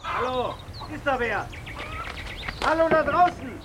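A man's voice: very high-pitched, expressive, noisy background. A male actor playing a stranded man who calls plaintively for help in a radio play, drawing out the words. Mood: pleading. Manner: drawn-out, plaintive calling. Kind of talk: German radio play acting.

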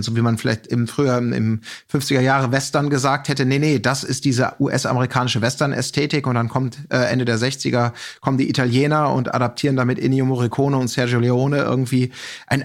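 Male podcast host, mid-pitched, enthusiastic and rambling, conversational. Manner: rambling, enthusiastic, long winding sentences. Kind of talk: casual interview chat.

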